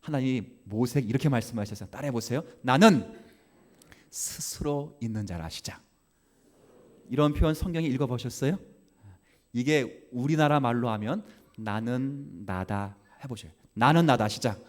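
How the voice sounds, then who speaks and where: A male pastor preaching a sermon in church, acting out dialogue and swinging from soft asides to loud, emphatic passages. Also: mid-range voice, moderate pace. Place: church sanctuary.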